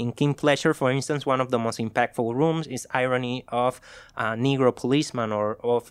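In a quiet background with a dry, close sound and no echo, a man with a normal speaking voice talks at a medium pitch and a fairly quick pace, his intonation fairly even. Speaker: professor. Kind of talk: casual chat.

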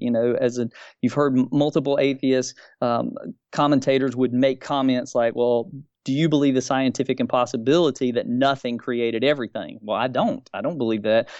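Using a normal speaking voice, a man talks at a fairly quick pace with a medium pitch. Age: 50s. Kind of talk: debate.

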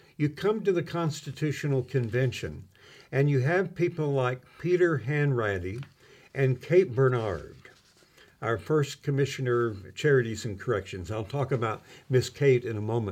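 A man's plain, everyday voice at medium pitch, fairly slow in pace with lively intonation, on a very clean recording with a silent background. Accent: American. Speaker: historian and author. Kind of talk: casual chat.

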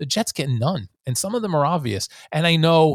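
The sound is close and dry, without any echo. A man does the talking. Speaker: sports podcast host. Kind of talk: solo sports recap monologue. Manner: casual, rambling with fillers and repetitions.

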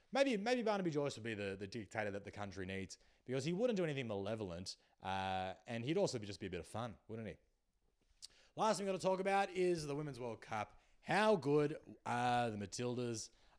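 An animated man with an Australian accent talks at a fairly quick pace. His medium pitch makes very wide swings. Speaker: comedian. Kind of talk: comedic monologue podcast.

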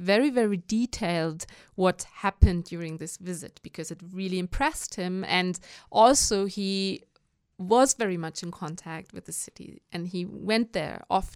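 A woman with a German accent speaks at a moderate pace and medium pitch, her loudness swinging widely and her pitch varying in an ordinary way, in a dry, close recording with no echo and a very clean, silent background. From northern Germany, Hamburg. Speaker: historian. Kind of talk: interview.

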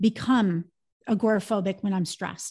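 Her voice is dark and mellow and somewhat breathy, and this woman's pitch varies in an ordinary way. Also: quiet background. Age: 50s. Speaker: podcast host, Ayurveda practitioner. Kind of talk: casual chat. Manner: halting.

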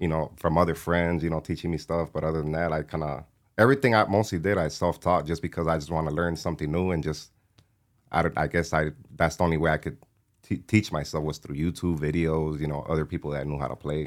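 A man with a very deep, low pitch and a slight Mexican accent talks at a very fast pace with fairly even intonation. The recording is very clean, with a silent background. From Milwaukee South Side, partly raised in Mexico. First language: Spanish. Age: 20s. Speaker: videographer. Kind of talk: casual interview.

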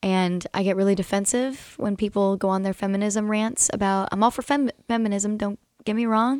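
A normal speaking voice moves at a moderate pace, with a dry, close sound and no echo. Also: woman, very clean recording, silent background. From Pennsylvania, moved around. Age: 20s. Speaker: musician. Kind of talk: casual chat.

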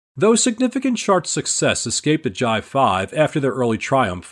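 A man's upbeat, warm tone at a moderate pace, with very wide pitch swings on a very clean recording with a silent background. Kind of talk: radio DJ patter, a chart-countdown show with trivia. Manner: upbeat, polished, brisk and chatty; a warm, informed music-history storyteller.

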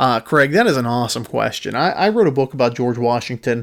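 On a very clean recording with a silent background, a man with an American accent speaks in a normal speaking voice at medium pitch and a fairly quick pace. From Pittsburgh, US. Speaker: history podcast host and author. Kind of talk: listener mailbag, casual solo talk.

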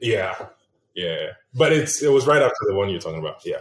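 Male speech with an American accent on a very clean recording against a silent background. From Ghana, West Africa. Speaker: UX designer. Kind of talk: interview podcast.

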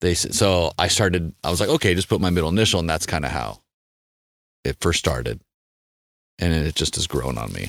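A man with an American accent and a very deep, low pitch talks at a fairly quick pace with lively intonation, vocal fry, and long, frequent pauses. The sound is dry and close with no echo, in a very clean recording with a silent background. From US West Coast, San Diego. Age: 40s. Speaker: adaptive athlete. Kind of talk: casual interview. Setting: in a van. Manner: halting, many fillers.

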